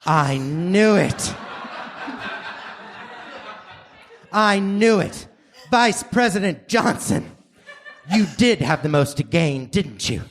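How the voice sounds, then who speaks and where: A man's voice: high voice, animated, takes it slowly, voice pushed up, full character voice. Man playing an urgent, earnest action hero. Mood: triumphant. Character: earnest heroic action sidekick, urgent and dramatic. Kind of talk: live comedic radio play acting.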